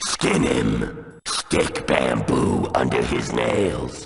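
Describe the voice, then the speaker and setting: A raspy, put-on character voice from a man, very slow in pace, with slight echo. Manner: menacing, terrifying.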